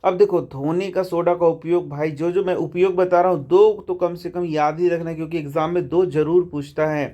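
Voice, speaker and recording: High-voiced chatty science teacher. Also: male voice, fairly even intonation, moderate pace, few pauses, warm tone. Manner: chatty, addresses students as bhai; asks and answers his own questions. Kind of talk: line-by-line textbook lesson.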